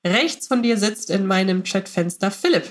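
A woman's voice: mid-range voice, lively intonation, moderate pace. A woman hosting a casual group podcast, chatty and organized as she passes the word to each guest in turn. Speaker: podcast host. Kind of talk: casual moderated group chat.

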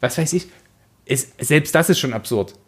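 A man's voice: a little high, expressive, moderate pace, husky. A man co-hosting a casual book discussion, speaking colloquially as an emphatic, exasperated critic. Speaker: podcast co-host.

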